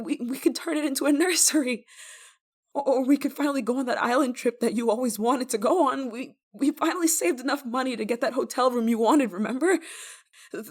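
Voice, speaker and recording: In this emotional ASMR roleplay, an actress gives her high, fairly bright voice to a yandere lover consumed by desperation and guilt. The monologue comes in broken, stammering pleas, carried by a wistful mood of forced hope.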